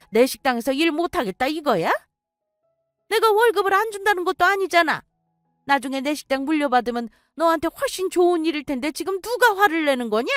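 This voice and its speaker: A woman's voice: high-pitched, dry recording, studio quality. A woman voicing a domineering, condescending middle-aged restaurant owner who scolds her future daughter-in-law. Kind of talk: audio drama acting.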